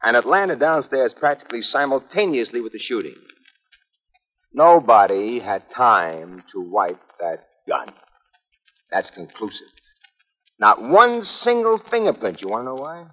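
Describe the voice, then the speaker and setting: A wisecracking hardboiled private eye. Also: male voice, mid-range voice, sing-song, measured pace. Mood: cool. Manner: wisecracking, clipped tough-guy delivery. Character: hardboiled male private eye narrator, wry and tough. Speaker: detective lead and narrator. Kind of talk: 1950s radio drama acting. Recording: muffled old radio transcription with music.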